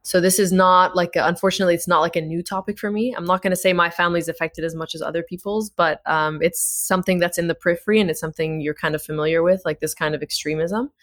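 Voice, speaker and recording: A woman's voice: fairly low pitch, steady tone, fast talker, hardly any pauses, fairly bright tone. A woman from Egypt, a political science professor, answering interview questions in a thoughtful, earnest way with frequent fillers.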